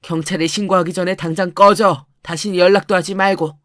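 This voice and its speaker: A woman's voice: lowish voice, steady tone, fairly quick, a bit bright, no echo, studio quality, close to an everyday voice. A woman voicing a stern, protective older father who gives commands. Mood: stern threatening.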